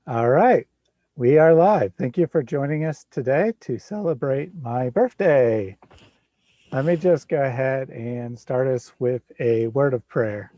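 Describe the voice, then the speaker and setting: A man of forty hosting a casual livestream, chatting in a relaxed way and laughing often. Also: medium pitch, unhurried, dry recording, highs cut off. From Midwest United States. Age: 40s. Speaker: livestream host.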